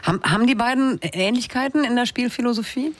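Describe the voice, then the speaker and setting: A man's voice: very high-pitched, fast talker. A man presenting the news and questioning a reporter, with a few hesitations. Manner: asks questions, with some hesitations. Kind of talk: studio moderation.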